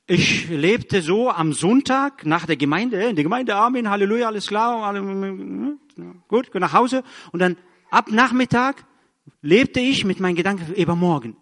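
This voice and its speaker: A middle-aged man, a surgeon, telling his church testimony in an earnest, animated way, with slightly broken German grammar. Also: sits high, moderate pace, long reverb tail. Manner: earnest, animated storytelling with acted quotes and repetitions.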